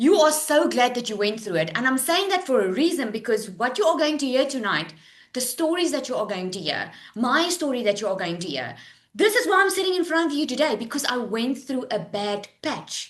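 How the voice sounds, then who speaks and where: A woman's high, animated voice at a fairly quick pace, with very wide pitch swings. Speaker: online business coach. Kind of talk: live webinar presentation. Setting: Zoom video call. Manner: fast.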